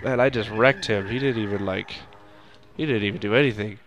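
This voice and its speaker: A young man with a stuffy nose from a cold, rambling through casual let's-play commentary and shouting at the game now and then. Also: on the low side, fairly quick, a little hiss or hum. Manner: rambling, makes sound effects and shouts at the game.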